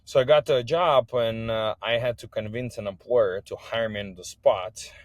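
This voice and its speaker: A man's voice: fairly low pitch, moderate pace, no echo. A man from Kazakhstan, an English speaker telling his personal story as a podcast guest. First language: not English. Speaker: podcast guest, business owner.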